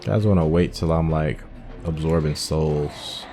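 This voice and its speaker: A man's voice: extremely low pitch, steady tone, a little slow, dark tone, soft background music. A man giving casual, informal playthrough commentary as a gaming video host, thinking aloud as he goes.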